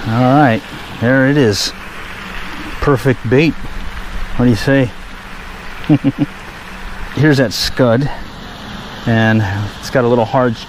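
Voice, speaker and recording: Recorded on a head-mounted action camera, a fishing vlogger chats casually through his time at a park pond, his middling-pitched voice relaxed and breaking into pleased exclamations at every catch. Steady background noise runs under him, and the audio quality is poor.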